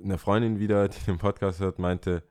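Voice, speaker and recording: A man with a Swabian accent, co-hosting a podcast in relaxed chat that often trails off. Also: sits low, normal speed. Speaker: podcast co-host. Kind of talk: casual chat.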